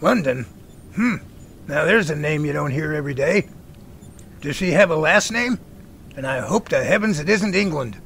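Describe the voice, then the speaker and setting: A wry, exasperated dad played by a man in a radio play, asking probing questions. His voice is high, creaky and sharp, over a rumbling, noisy background. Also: lively intonation, moderate pace, long pauses. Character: dry, probing, exasperated older father. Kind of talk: radio drama acting.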